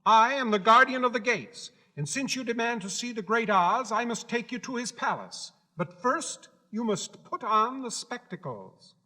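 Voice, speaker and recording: A man's voice: very high-pitched, lively intonation, normal speed, hardly any pauses, sharp tone, long reverb tail, voice pushed up, heavily acted. A man voicing a small, formal male gatekeeper in a storybook reading.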